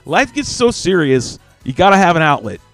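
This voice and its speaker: Animated, profane man in his forties. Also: fairly high pitch, a little fast, soft background music. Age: 40s. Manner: animated, swearing, loose rambling. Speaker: podcast host. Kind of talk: casual chat.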